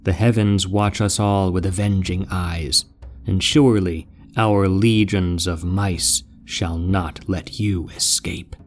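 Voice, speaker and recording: A man's voice: low voice, steady tone, takes it slowly, faint music behind. Man voicing Crumb Snatcher, a doomed solemn mouse. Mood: defiant. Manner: solemn epic recitation. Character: doomed male mouse, fearful then defiant.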